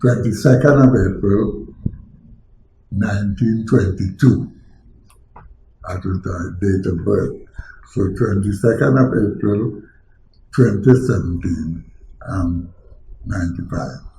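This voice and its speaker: Slow gravelly Trinidadian man in his nineties. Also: lowish voice, dark tone, echoey room, slight background noise, poor audio. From Trinidad and Tobago. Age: 90s. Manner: slow, deliberate, repeats dates carefully. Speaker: interviewee. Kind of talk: recorded interview.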